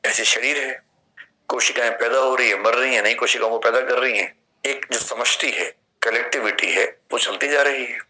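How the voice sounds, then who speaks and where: A man's voice: medium pitch, normal speed, sharp tone, poor audio. A man in his fifties with an Indian accent, giving a classroom lecture and explaining through questions and vivid examples. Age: 50s. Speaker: philosophy teacher.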